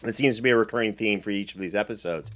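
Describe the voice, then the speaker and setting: A man's voice: lowish voice, rapid-fire, fairly bright tone. A man hosting a chatty recap show in an enthusiastic, effusive way. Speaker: podcast host and producer.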